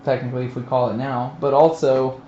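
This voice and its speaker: A man's voice: mid-range voice, level tone, brisk, mellow. A man chatting informally and enthusiastically as he plays a tabletop game, with casual swearing. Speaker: tabletop game player on a stream. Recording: dull, echoey room recording with faint noise.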